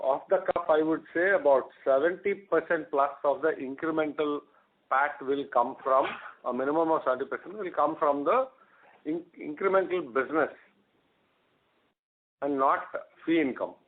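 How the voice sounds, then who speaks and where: A man's voice: fairly high pitch, moderate pace. A man, a company executive answering on a conference call, hesitant with many fillers. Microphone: telephone. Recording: phone-line audio.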